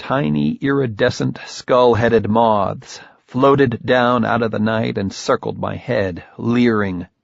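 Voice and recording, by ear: This is reading aloud in a natural voice. Nothing else stands out.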